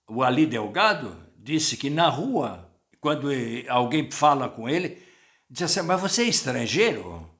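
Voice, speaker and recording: Slow, deliberate older journalist man. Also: mid-range voice, fairly bright tone. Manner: unhurried, quotes sources, asks rhetorical questions. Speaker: journalist commentator. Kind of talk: reflective spoken commentary.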